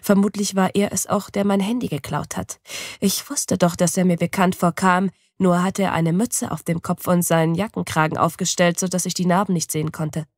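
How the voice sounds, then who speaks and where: A woman reading a novel aloud in the first person, with even, measured storytelling. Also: lowish voice, no echo. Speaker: audiobook reader. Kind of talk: scripted first-person audiobook narration. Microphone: close studio mic. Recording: dry studio.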